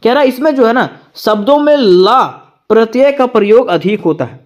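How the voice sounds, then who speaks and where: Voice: mid-range voice, lively intonation, normal speed, darkish tone, dull audio. A tutor giving an exam-prep lecture, asking rhetorical questions and answering them, repeating each point twice.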